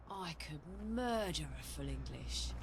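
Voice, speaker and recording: Through loud background noise, a put-on character voice in a British accent moves at a fairly slow pace. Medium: video game. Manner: slangy, rowdy.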